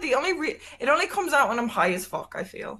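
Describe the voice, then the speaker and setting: A woman speaks very fast in a raised, projected voice, her high-pitched, bright, sharp tone animated and swinging very widely in pitch. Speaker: streamer. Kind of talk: casual chat.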